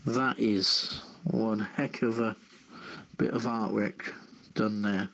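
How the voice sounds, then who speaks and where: A man hosting an unscripted call-in show, speaking in a halting, hesitant way. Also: fairly low pitch, steady tone, creaky, a bit bright, lo-fi sound. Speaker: radio show host.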